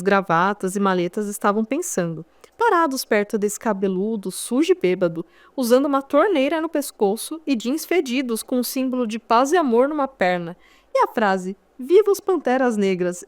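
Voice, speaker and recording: Here the memoir narrator, a Brazilian-accented woman, sounds fairly high and animated, keeping a moderate pace. She relates her own story conversationally, with wry asides aimed at the listener, and there's no room sound at all.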